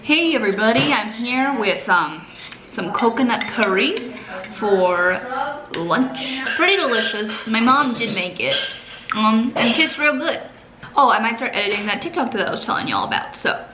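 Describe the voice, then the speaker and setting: A woman's voice: fairly high pitch, animated, normal speed. A young woman hosting a casual home vlog, chatty and self-deprecating with a dry, sarcastic streak. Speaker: vlogger host. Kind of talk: casual vlog chat to camera. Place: family home indoors. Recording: noticeable background noise.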